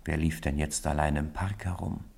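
Deep, gravelly male storyteller. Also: steady tone, moderate pace, darkish tone. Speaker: narrator. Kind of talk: scripted storytelling narration for a radio play.

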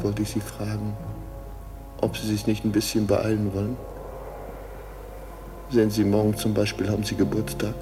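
A murdered man's ghost in a radio play. The voice is fairly low and takes its time. He is exquisitely polite and formal, yet mocking and insistent, treating the macabre with dry understatement. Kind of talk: German radio drama acting.

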